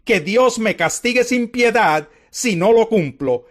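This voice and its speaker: A sorrowful aging king crying out for his son, read by a man with a high voice. The lament is drawn out and slow, heard in an audio Bible story. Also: expressive. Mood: commanding. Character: grieving aging king and father.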